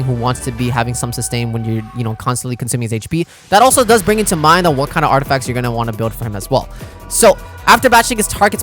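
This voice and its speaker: A man doing casual gaming reaction commentary as a YouTuber, informal and slangy, thinking aloud as he goes. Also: medium pitch. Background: background music.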